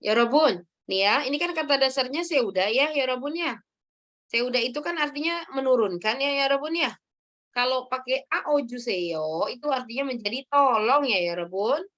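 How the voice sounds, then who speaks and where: A woman teaching a language lesson, ending phrases with quick check-ins to her students. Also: high-pitched, lively intonation, fairly bright tone. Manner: tags sentences with "ya" and calls on students.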